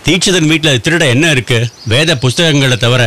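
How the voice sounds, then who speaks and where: An actor playing an elderly temple priest who speaks patiently and teases gently, in a radio drama. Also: male voice, on the high side, fairly quick. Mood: calm. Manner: patient, gently teasing, affectionate.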